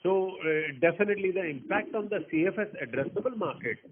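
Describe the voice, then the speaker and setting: A man's voice: sits high, lively intonation, fast talker. A man, a company executive giving a clarifying explanation on a conference call. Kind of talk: explanatory earnings call answer. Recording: noisy narrowband phone conference line.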